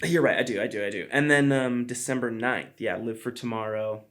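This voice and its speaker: A male podcast host who talks loosely and rambles through his sentences. His voice sits at an everyday middle pitch. He drops casual curse words and plenty of "um"s along the way. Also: a little fast, a bit bright. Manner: rambling, filler-heavy, swears casually.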